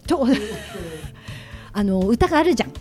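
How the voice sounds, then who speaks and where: A woman co-hosting a radio talk show, telling stories in casual chat with a lively, giggly manner. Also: mid-range voice, measured pace, faint music behind.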